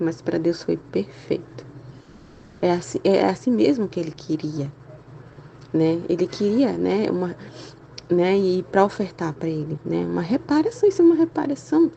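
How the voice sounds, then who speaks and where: Chatty woman, gravelly, unwell. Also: fairly high pitch, highs cut off, slight background noise. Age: adult with a school-age son and husband. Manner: chatty, constant "né?" tags, animated exclamations. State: feeling unwell, weary. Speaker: Catholic channel presenter. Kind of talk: casual spiritual talk.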